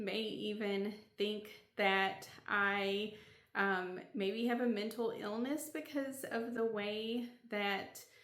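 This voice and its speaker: There is audible room echo around a woman whose pitch sits fairly high. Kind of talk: personal testimony. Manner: loud.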